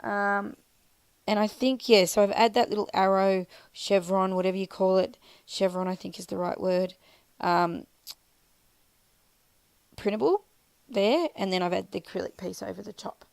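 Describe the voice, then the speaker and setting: A woman with an Australian accent and a croaky, scratchy voice from being sick, chatting casually as she narrates her crafting. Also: mid-range voice, normal speed, long pauses, darkish tone, no echo. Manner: chatty, rambling, self-deprecating, many fillers. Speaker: scrapbooking vlogger.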